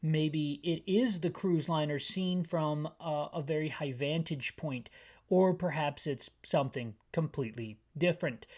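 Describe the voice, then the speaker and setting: A man's voice: fairly high pitch, unhurried, a little mellow. A man hosting an audio-described video game playthrough, narrating the screen with rambling, wry, self-mocking asides. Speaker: gaming channel host.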